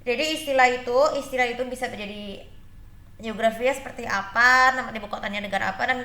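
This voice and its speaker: A woman's voice: a little high, steady tone, quick pace, bright, forceful tone, reverberant. A woman hosting a tutorial video, explaining casually with many fillers and restarts. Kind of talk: casual explainer talk to camera.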